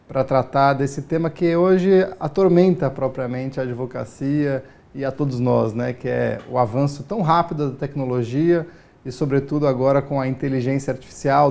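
A man in his forties answering a TV interviewer in formal, measured speech with frequent hesitant fillers, recorded on a lapel mic in a news studio. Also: medium pitch, gravelly, darkish tone. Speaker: studio guest, lawyer.

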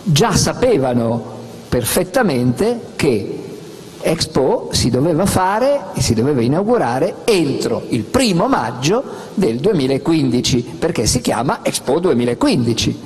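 A middle-aged man presenting his book on a festival stage into a handheld microphone, animated and gesturing, with frequent fillers. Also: on the high side, measured pace, long reverb tail. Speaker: author at a book talk. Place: outdoor festival stage with audience.

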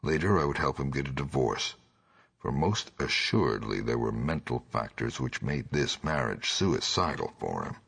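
Super low voiced guy reading gothic horror audiobook, raspy, measured n grave. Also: big pitch swings, fairly bright tone. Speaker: audiobook narrator. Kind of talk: scripted gothic horror narration.

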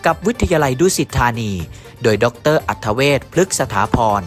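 A man reading a scripted news voice-over in a smooth, even manner. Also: mid-range voice, moderate pace, soft background music. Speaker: news narrator.

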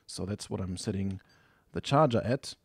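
Male tutorial narrator, low register, dry close sound, methodical and unhurried. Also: creaky, breathy edge, no echo. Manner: methodical, explanatory, matter-of-fact. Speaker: tutorial presenter. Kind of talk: hands-on instructional narration.

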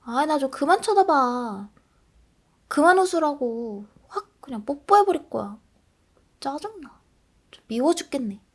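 Woman as a pouty, grumbling girlfriend on a diet, bright high voice, soft role-play delivery. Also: lively intonation, measured pace, long pauses. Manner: grumpy, sulky, pouting. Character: dieting girlfriend, low on self-esteem. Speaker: ASMR role-play creator playing a girlfriend.

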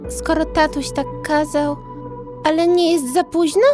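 A woman's voice: sits high, steady tone, unhurried. A woman voicing a timid, trusting little girl of about eight in a horror audio drama, with simple, hesitant childlike speech. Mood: timid, innocent. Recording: music under the voice.

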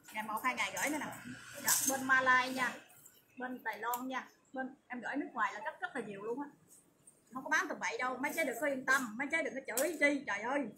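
Southern vietnamese lady hawking jewelry on a livestream, chatty and pushy, far from the mic with loud noise behind. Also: high voice. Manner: chatty, repetitive, emphatic assurances. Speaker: online shop seller. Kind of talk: livestream sales pitch.

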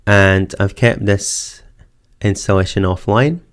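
A man narrating a screen-recorded computer tutorial, calmly explaining each step in order. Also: fairly low pitch, takes it slowly. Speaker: tech tutorial presenter. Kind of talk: screen-recorded software walkthrough. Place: voice-over for screen capture.

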